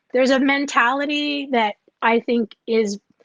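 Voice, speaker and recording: A woman speaks in a Montreal accent. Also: dry, close sound with no echo. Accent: English-speaking Montreal Canadian. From Quebec, Canada (Montreal). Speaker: music supervisor. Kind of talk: interview.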